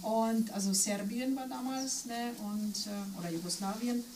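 A woman's voice: fairly high pitch, moderate pace. A woman from Macedonia telling of her binational marriage, hesitating and correcting herself often. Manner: hesitant, many fillers and self-corrections. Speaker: discussion participant. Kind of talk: personal account in a discussion round. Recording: distant mic in a roomy space with faint noise.

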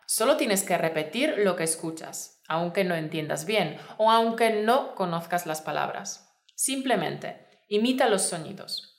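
A woman, giving clear step-by-step instructions in a scripted podcast lesson. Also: lowish voice. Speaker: Spanish teacher. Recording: roomy echo.

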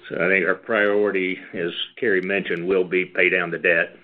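A man speaking as a company executive, answering questions on an earnings call in a measured, halting way over a phone line. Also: sits low, flat delivery, slight background noise. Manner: measured, halting, hedging phrasing. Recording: band-limited phone conference line.

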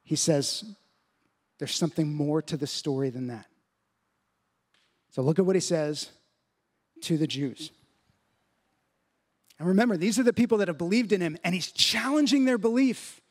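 High-voiced man preaching with emphasis. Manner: emphatic teaching, rises in pitch to stress points; slows down deliberately on key phrases. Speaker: pastor. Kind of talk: sermon.

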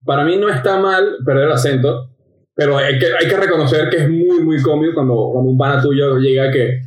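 A man's voice: fairly high pitch, brisk, roomy sound, poor audio. A young man, co-hosting a podcast and talking in an easygoing way with dry jokes. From Venezuela. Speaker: podcast co-host. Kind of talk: casual chat.

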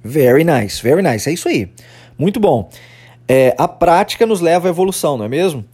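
A man teaching English in a podcast lesson, patiently explaining and slowly repeating example phrases for learners to copy. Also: on the high side, expressive, dark tone, husky. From Brazil.

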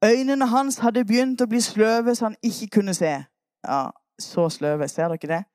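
A woman preacher retelling a Bible story in a lively sermon, coaxing her listeners to act out the parts. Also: a little high, dry recording, studio quality.

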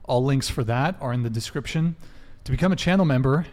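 A man's voice: medium pitch, brisk, darkish tone. A man hosting a live podcast, rattling off announcements in a brash, joking manner from a studio table. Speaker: podcast host.

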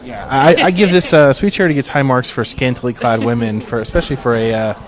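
A man's voice: mid-range voice, steady tone, fast talker. A man hosting a podcast, chatting casually with theatergoers in a theater concourse, upbeat with lots of fillers. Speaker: podcast host interviewing theatergoers. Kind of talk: casual on-location interviewing.

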